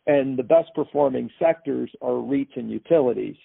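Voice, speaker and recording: A man's voice: medium pitch, moderate pace, creaky, breathy edge, no room sound. A man giving unscripted financial commentary as an analyst, with opinionated, emphatic phrasing. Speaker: market commentator. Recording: thin phone-like line.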